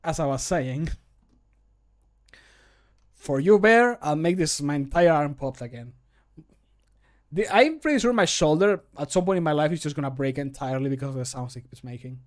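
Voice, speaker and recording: Playful man streaming, slightly high voice. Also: expressive, normal speed, long pauses. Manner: playful, joking, self-deprecating. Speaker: streamer and Skyrim modder. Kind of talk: casual live-stream chat. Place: home room, indoors.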